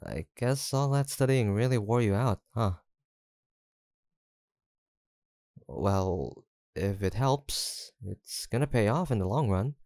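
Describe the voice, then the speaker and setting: A man's voice: fairly low pitch, animated, a little slow, a little mellow, dry recording, studio quality. A young man acting an easygoing, teasing, affectionate student roommate in an intimate, casual roleplay audio drama, with hesitant banter. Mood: teasing, encouraging. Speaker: voice actor.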